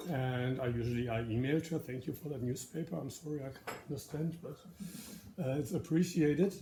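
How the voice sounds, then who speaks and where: Speaking fairly quickly with a German accent, a man's fairly high voice carries a dark, mellow tone, a somewhat breathy quality and ordinary pitch variation. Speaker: Zen teacher. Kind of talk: dharma talk.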